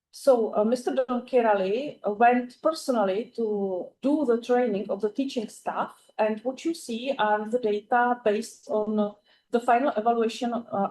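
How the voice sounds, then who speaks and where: A woman's voice: a little high, dark tone, slight background noise, low-quality recording. Czech-accented woman presenting at a conference. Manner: frequent "uh" fillers, careful non-native phrasing. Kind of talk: academic conference talk.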